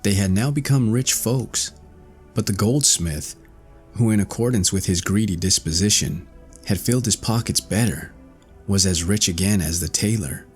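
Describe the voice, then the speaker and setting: A man's voice: fairly low pitch, moderate pace, faint music behind. A man reading a fairy tale as an audiobook narrator, in a scripted storytelling style.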